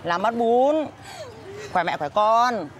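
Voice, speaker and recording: A woman's voice: a little high, lively intonation, slow, over loud music. An actress playing a blunt market woman who scolds and comforts her crying friend. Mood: scolding. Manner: bossy, scolding. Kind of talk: TV drama acting.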